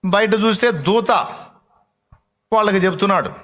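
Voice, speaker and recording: Expressive male preacher. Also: sits high, normal speed. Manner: expressive, voices dramatic quotes, affirms reader with short "aa". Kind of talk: sermon with Bible reading.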